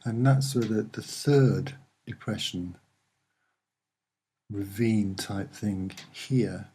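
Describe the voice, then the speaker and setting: A soft-spoken man presents an unscripted visual commentary in a dark, husky voice. He moves very slowly and haltingly, pausing often as he searches for the next phrase. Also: lowish voice. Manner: hesitant, halting, with many pauses. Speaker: amateur video presenter.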